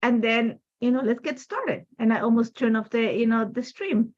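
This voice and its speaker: Speaking English with an Ecuadorian Spanish accent, a Spanish-native woman from Ecuador hosts a home crafting demo live for her design team, rambling casually with frequent "like, you know" fillers. Her pitch is fairly high, her speed normal, and her tone darkish, while the recording loses its high frequencies.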